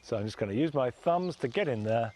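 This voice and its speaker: A man presenting a gardening show outdoors in a garden, talking gently and with measured enthusiasm. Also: mid-range voice, animated, a little hiss or hum. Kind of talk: relaxed instructional garden presenting.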